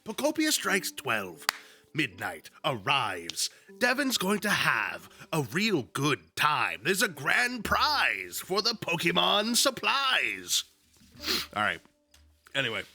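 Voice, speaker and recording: A young man, sniffly and still a bit sick, chats casually and reads a book on his stream at home alongside his dog. His voice runs on the high side, creaky yet bright and forceful, swooping wildly in pitch at a slow pace. Loose and joking, he swears freely and uses many fillers.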